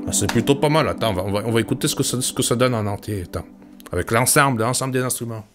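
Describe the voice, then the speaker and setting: A man's voice: mid-range voice, racing. A young man from Savoie with a Savoyard French accent, chatting casually as a music producer, rambling and stammering with joking asides. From Savoie, France. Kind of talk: casual music-making vlog.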